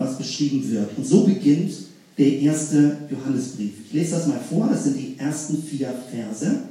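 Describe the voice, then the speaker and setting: At a moderate pace, a man with a fairly high pitch is heard through noticeable background noise and audible room echo. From Hamburg, northern Germany. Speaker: pastor. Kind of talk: sermon. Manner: hesitant with fillers.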